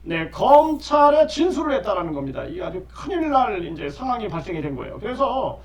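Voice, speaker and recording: A man's voice: high-pitched, sing-song, a little fast, a crowd in the background. A middle-aged man giving lecture-style political commentary as a channel host, emphatic and repeating his key phrases with frequent affirming fillers. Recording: roomy echo, distant mic, dull lo-fi sound.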